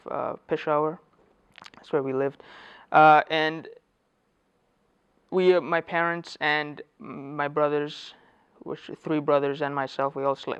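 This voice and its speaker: Gravelly man recalling his refugee childhood. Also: mid-range voice, a bit bright. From Afghanistan. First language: Dari. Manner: hesitant, many restarts and self-corrections. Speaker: interviewee. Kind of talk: reflective personal storytelling. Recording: dull lo-fi audio.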